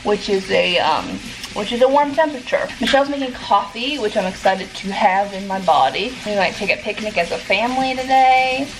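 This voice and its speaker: A young vlogger host chats casually to camera inside her family home, self-deprecating and sarcastically dry. She talks at normal speed with medium pitch and lively intonation, and background noise is noticeable throughout.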